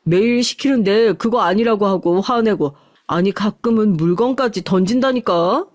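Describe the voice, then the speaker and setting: In a radio story reading, a woman voices a frustrated young husband pleading with his mother-in-law. Her voice is mid-range and darkish, close to an everyday voice, at normal speed. She sounds exasperated and pleading.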